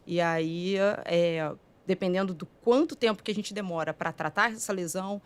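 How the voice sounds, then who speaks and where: A woman cardiologist with a Brazilian Portuguese accent, calmly and methodically explaining heart disease in a podcast studio. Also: lowish voice, moderate pace. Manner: calm, methodical explaining with frequent "né". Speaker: cardiologist guest. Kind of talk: explanatory medical talk.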